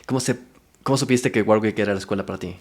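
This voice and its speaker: A man's voice: on the low side, very fast. A man hosting a podcast, asking probing questions in casual interview chat. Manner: attentive, with short backchannels and probing questions. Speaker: podcast host.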